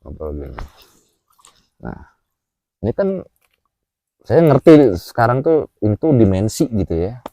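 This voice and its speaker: A man telling his personal experience in a casual chat, animated and full of fillers. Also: mid-range voice, a little slow, long pauses, dry recording. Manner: animated, with frequent filler "ah" and "A", acts out gestures while telling.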